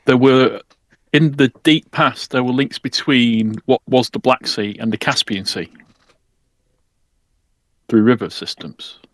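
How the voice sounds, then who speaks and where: A man's voice: mid-range voice, unhurried, long pauses, no echo. A man on a discussion panel, explaining casually and a little hesitantly, repeating words as he goes.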